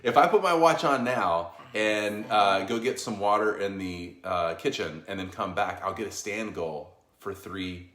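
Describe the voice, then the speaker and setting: A man's voice: lowish voice, measured pace, hardly any pauses, fairly bright tone. A man co-hosting a live show, talking in an easygoing, rambling way with many fillers. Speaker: co-host. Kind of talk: casual chat. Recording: echoey room.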